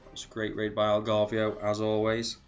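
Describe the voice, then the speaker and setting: A man with a cold, sounding croaky and sniffly, casually commentating strategy game replays and calling out percentages. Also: on the low side, moderate pace, dull audio, soft background music. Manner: relaxed, chatty, calls out percentages. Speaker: clan leader commentating war replays.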